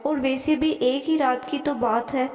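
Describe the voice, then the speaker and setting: Woman as gentle aging mother, high voice, echoey room. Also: steady tone, unhurried. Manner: gentle, pleading. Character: aging mother, patient and soft-spoken. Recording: echoey room with long reverb.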